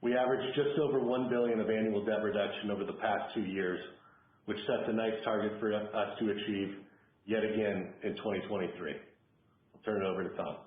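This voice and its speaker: Low-voiced man on echoey phone line. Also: steady tone, fairly quick. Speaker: company executive on an earnings call. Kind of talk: scripted financial remarks. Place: conference call over phone.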